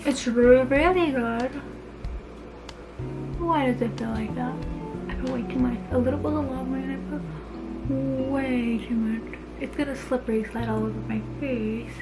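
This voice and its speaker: A young adult beauty vlogger chats playfully through a casual makeup tutorial in a small bedroom, her words slightly slurred by a retainer. Her high-pitched voice is steady and at normal speed. The low-quality recording has loud music behind it.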